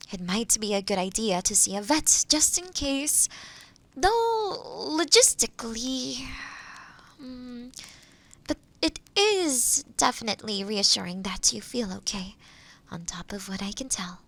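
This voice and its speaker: Woman playing a kind witch, high voice, very unhurried, soothing, caring, soft-spoken, intimate fantasy audio roleplay. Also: lively intonation, exaggerated voice. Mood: caring, checking. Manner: soothing, caring, softly breaking into whispers. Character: kind, gentle forest witch who loves helping others. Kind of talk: scripted audio roleplay spoken softly to the listener.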